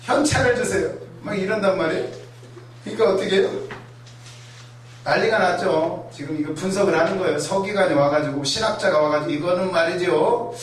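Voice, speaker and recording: A man preaching a sermon in a lively, conversational way, acting out voices and asides. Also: high voice, brisk. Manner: animated, acts out voices and asides. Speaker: pastor. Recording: echoey hall, mic far off, faint noise.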